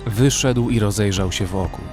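A man's voice: fairly low pitch, normal speed, close to an everyday voice. A man playing a weary armed survivor who narrates a horror audio drama in the first person. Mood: grim, measured. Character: weary male armed survivor narrating a frozen zombie apocalypse. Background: music bed.

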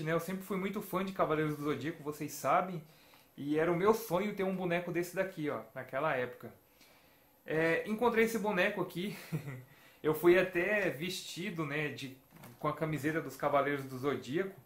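A man's voice: a little high, a bit bright, roomy sound. A man in his thirties with a Brazilian Portuguese accent, chatting to camera as a retro gaming vlogger and telling stories with many tag questions. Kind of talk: casual chat to camera. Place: home room with shelves of games and toys.

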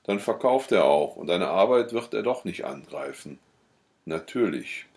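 A man reading a classic novel aloud, steady with occasional slips that he corrects. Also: low-pitched, unhurried. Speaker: audiobook reader.

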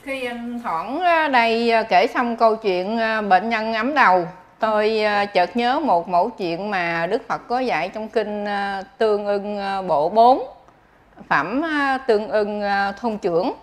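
Slow, hesitant woman giving a talk. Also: mid-range voice. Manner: hesitant, full of filler sounds. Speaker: Buddhist talk speaker. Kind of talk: religious talk.

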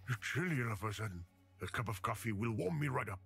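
A man's voice: medium pitch, vocal fry, fairly bright tone, exaggerated voice. An actor playing a grumpy, easily puzzled man alone at home in a video game.

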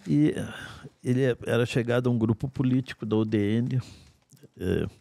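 A man in his sixties, a guest in a podcast studio, telling stories from his life in an unhurried, wry way with dry asides. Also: mid-range voice, vocal fry, dark tone, no room sound. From Brazil. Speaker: guest singer-songwriter. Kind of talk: storytelling in a podcast interview. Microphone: studio mic on a stand.

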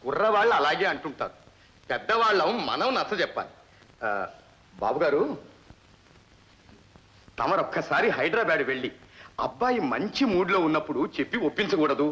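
An actor playing a scornful middle-aged moneylender with a sneering, persuasive manner in a 1960s film. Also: male voice, fairly high pitch, sing-song, normal speed, pauses often, sharp tone. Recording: dull old film soundtrack.

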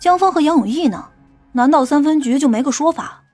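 A woman's voice: high voice, lively intonation, brisk, darkish tone, faint music behind. An actress playing an earnest, questioning young female police officer in an audiobook, with an urgent manner. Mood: brusque.

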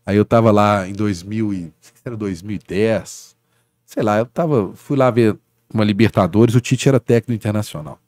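Clean studio sound with no echo carries this Brazilian man's lowish, brisk voice. A sports journalist appearing on a casual podcast, he spins stories animatedly, sprinkling in "né, cara" tags and small asides.

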